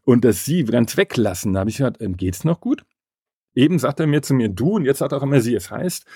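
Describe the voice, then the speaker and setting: A man's voice: medium pitch, lively intonation, quick pace, dark tone, husky, dry recording, studio quality. A man being interviewed as an etiquette expert, speaking in an opinionated, emphatic and rambling way. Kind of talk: conversational interview.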